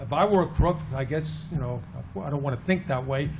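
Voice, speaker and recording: A man with an American accent speaks at a very fast pace with a fairly high pitch and ordinary pitch variation. Audible room echo colors the recording. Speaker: local resident. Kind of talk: public comment at town meeting. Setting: town board meeting, podium. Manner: loud; halting, many fillers.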